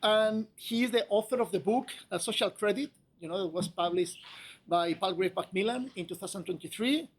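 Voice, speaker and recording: A man introducing a guest speaker in a university lecture room, talking haltingly with lots of "you know" and restarts. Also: high-pitched, husky. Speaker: event host introducing speaker. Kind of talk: informal spoken introduction.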